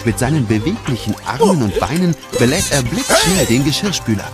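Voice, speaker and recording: A man's voice: medium pitch, sing-song, fairly quick. A man narrating a scripted audio story for children. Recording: music behind the narration. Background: music.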